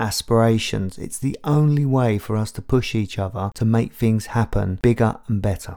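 A man with a London accent, dark and mellow in tone, ordinary in pitch variation, on a very clean recording with a silent background. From London, England. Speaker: podcast host. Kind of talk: motivational monologue.

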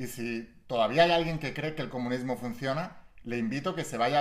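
A man speaks in an animated tone with lively intonation. His pace is moderate. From Spain, Barcelona. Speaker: motivational speaker. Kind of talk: motivational monologue to camera.

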